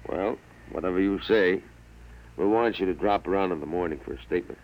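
An actor playing a blunt, plain-spoken police detective in a 1950s radio drama, talking in a colloquial, folksy way. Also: male voice, low-pitched, a little fast, darkish tone, rough recording. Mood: brisk, genial. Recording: vintage 1950s radio broadcast.

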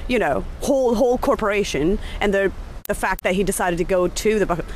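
Expressive woman in a street interview. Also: medium pitch, fairly quick. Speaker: street interviewee, sports fan. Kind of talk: casual chat. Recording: faint street traffic noise.

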